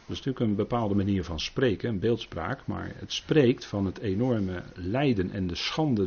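Husky guy preaching a bible study, punchy emphasis, kinda muffled lo-fi sound. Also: on the low side. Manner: emphatic, rising to loud stresses, frequent "hè" tags. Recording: muffled lo-fi recording.

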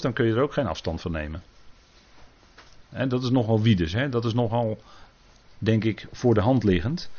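A man preaches on a Bible passage in a steady mid-pitched voice. He talks earnestly and carefully, tagging many sentences with little questions to the listeners. The recording sounds dull and lo-fi. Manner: frequent tag questions, earnest and cautious. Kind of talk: Bible teaching sermon.

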